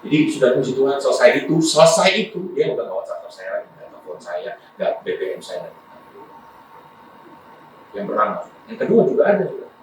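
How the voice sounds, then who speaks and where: A man's voice: medium pitch, sing-song, fast, slight background noise. A male pastor from Indonesia preaching a sermon, telling personal stories and often calling out to the congregation. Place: church. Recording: echoey church hall from far off.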